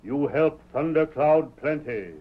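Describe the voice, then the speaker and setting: An actor playing a commanding tribal chief in a 1930s radio western, in blunt broken English. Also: male voice, on the high side, takes it slowly, slightly rough. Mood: commanding, generous. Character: commanding, generous Native American tribal chief. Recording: muffled 1930s radio recording.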